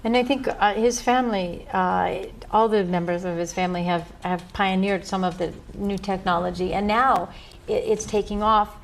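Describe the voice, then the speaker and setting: A woman's voice: medium pitch, steady tone, moderate pace, vocal fry, slight background noise. An American woman, a professional mandolin player, chatting as a guest and telling stories with a laugh at herself. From United States. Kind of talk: casual interview chat.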